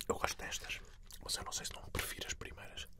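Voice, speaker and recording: A man in his forties with a European Portuguese accent, whispering breathily in short, unhurried remarks for an ASMR chip tasting. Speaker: host of an ASMR snack tasting video. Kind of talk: whispered ASMR food review. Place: small indoor setup with black curtain.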